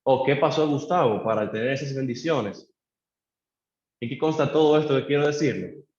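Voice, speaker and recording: A man preaches a sermon, voicing a worshipper's pleading questions to God and calling the congregation to repeat after him. His medium-pitched voice rings through an echoey church. The recording is dull and low-fi. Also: normal speed, a little mellow. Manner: acts out a believer's pleading prayers to God; leads the congregation in call-and-response.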